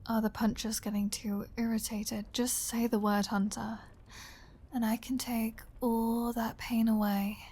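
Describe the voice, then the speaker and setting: A woman playing a flirty, predatory vampire in an intimate ASMR roleplay, teasing and dominant, often dropping into a breathy whisper. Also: a little high, flat delivery, measured pace, mellow, a little hiss or hum. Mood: taunting, playful. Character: flirty, predatory female vampire toying with a hunter.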